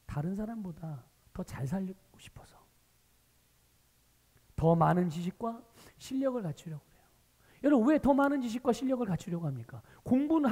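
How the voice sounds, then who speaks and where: A male pastor preaching a Sunday sermon, animated, asking the congregation rhetorical questions. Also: extremely high pitch, slightly rough, big-room sound. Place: church sanctuary.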